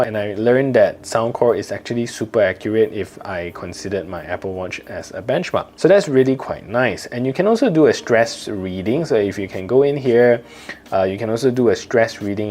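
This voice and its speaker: A man's voice: on the low side, darkish tone, a little hiss or hum. A man with a Singaporean accent and Singlish manner of speech, giving a casual tech product review.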